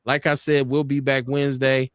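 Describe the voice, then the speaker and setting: A man's voice: moderate pace, clean tone, no room sound, clean studio sound. A man with an urban Black American accent who hosts a live online talk show, speaking casually, turning preachy as he makes his points and reading viewer comments aloud. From United States. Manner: animated, preachy, leaps up high in pitch to make points.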